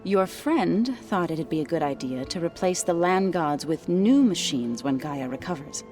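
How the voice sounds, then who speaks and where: A woman acts out a proud tribal woman from a video game. Her voice sits fairly low, measured and formal, firm and protective with a dry edge. Soft music runs behind her. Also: lively intonation, close to an everyday voice. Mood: reproachful, firm. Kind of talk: video game cutscene acting.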